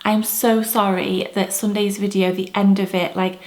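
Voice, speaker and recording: A woman's voice: mid-range voice, level tone, normal speed, poor audio. A young woman vlogger reviewing makeup to camera in a chatty, gushing way, her voice a bit stuffy from a cold. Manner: chatty, gushing, rambling asides. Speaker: beauty vlogger. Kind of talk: casual product review to camera. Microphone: camera mic.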